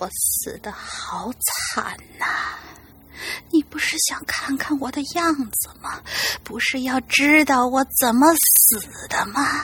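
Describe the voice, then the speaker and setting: The put-on character voice is husky and moves at a fairly slow pace. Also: female-sounding voice, high pitch for a woman. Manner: mournful, eerie.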